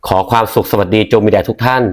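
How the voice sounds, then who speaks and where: A man narrating a spoken story in a calm, moralizing way with a polite sign-off. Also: lowish voice, fast talker.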